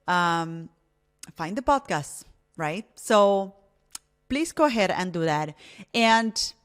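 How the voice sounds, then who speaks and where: A woman's voice: fairly low pitch, a bit bright. A woman whose first language is Spanish, hosting a solo podcast in an earnest, encouraging way with frequent restarts. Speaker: podcast host.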